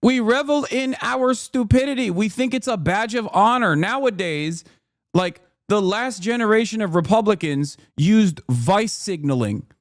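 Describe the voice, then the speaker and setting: A man hosting a livestream, giving sarcastic, profane, animated reaction commentary. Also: high voice, a little slow, dry recording, clean studio sound. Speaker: livestream host.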